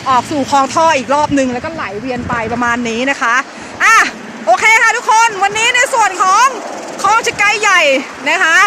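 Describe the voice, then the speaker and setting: Woman, vlogger, high voice, chatty, talks over traffic, outdoors by a busy road, loud car noise. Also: big pitch swings, brisk. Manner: chatty nonstop talker, addresses viewers directly. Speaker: vlogger and local history guide. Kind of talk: casual walking vlog narration. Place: outdoors beside a busy road by an old canal. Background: passing cars.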